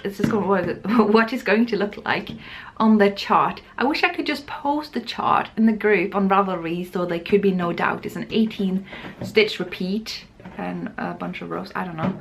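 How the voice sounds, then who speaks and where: A woman's voice: mid-range voice, normal speed, creaky, a bit bright, breathy edge. A woman chatting casually and informally to camera as the host of a knitting podcast. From Norway.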